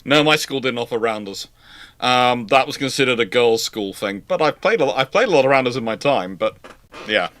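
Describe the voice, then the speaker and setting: British man, forceful bright voice, casual stream host, opinionated, rambling, emphatic. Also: medium pitch, expressive, fairly quick. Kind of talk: casual live question-and-answer chat.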